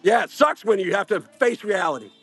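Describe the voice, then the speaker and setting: An angry man shouting profane insults in a heated street argument outdoors. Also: high voice, animated, fairly quick, gravelly, slightly rough. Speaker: counter-protester.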